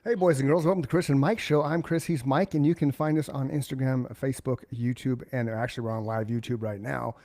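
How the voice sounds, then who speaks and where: A quick-talking man co-hosts a live online show with an upbeat, joking manner. He sounds close to the mic in a dry room with little echo. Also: medium pitch, steady tone, darkish tone. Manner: upbeat, jokey, fast-talking. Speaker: podcast co-host. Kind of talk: casual live podcast chat.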